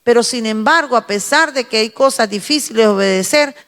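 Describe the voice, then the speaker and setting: Woman preacher, Spanish accent from Spain, emphatic devotional delivery, somewhat high voice, echoing hall. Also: fairly bright tone. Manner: slow, emphatic preaching with pauses and repetition. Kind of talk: morning devotional sermon.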